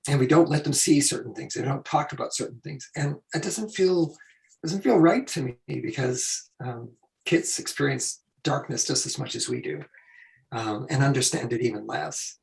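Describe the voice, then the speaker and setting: A man illustrator telling stories on a panel, hoarse and losing his voice, speaking casually. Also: medium pitch, normal speed, rough recording.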